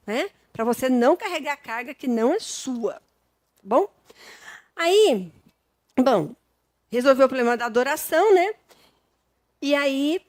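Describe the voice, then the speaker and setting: Brazilian woman preacher, high voice, casual sermon tone, dry close sound. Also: darkish tone, no echo. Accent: Brazilian Portuguese. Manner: conversational and homely, with frequent tag questions.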